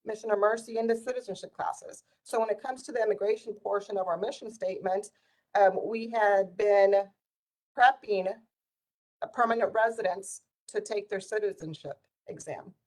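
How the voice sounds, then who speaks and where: A middle-aged woman who grew up speaking Spanish talks in a relaxed, conversational storytelling style. She has a medium-pitched voice and retells exchanges by quoting them in an animated manner. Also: moderate pace, poor audio. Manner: animated retelling with quoted dialogue. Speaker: community volunteer sharing life stories.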